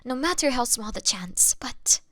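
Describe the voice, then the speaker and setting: A woman playing a gentle young female vampire in an audio roleplay, apologetic and halting, with a breathy voice that often drops to a whisper. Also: on the high side, expressive, dry recording, clean studio sound. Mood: subdued, regretful. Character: gentle young female vampire, remorseful, fighting her bloodlust. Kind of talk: scripted dramatic audio roleplay monologue.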